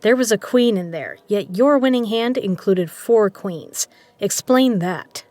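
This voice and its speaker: A confrontational female poker boss acted by a woman, recorded very dry. She speaks bluntly and pointedly at a medium pitch, in audio drama style. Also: lively intonation, a little slow, darkish tone, no echo, close to an everyday voice. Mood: accusing. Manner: pointed, accusing, direct. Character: blunt, confrontational female poker legend running a gambling den.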